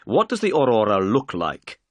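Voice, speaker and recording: A calm, clever male detective, voiced by a storyteller, brisk and polite, with lively pitch that rises and falls. The sound is dry and close-miked. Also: dry recording.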